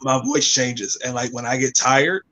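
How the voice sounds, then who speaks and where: A man co-hosting a podcast in casual chat, relaxed and joking as he tells stories. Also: medium pitch, normal speed. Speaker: podcast co-host.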